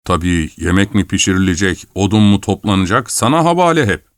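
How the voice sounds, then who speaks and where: A man voicing a burly, rough male frontiersman who taunts in a loud, scornful way in an audiobook. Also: low voice, big pitch swings, a little fast, no room sound, clean studio sound. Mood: taunting. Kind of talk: audiobook character voice.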